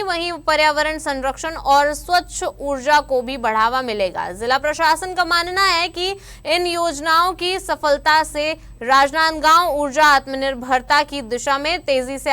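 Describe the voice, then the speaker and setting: A woman reading regional news bulletins as anchor in a formal, even newsreader style. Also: high-pitched.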